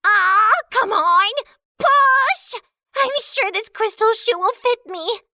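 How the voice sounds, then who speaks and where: A woman's voice: very high-pitched, slow pace, pushed and bright, no room sound, studio quality, voice pushed up, heavily acted. A woman voicing a vain, pushy young stepsister in a children's storybook, squealing and whiny.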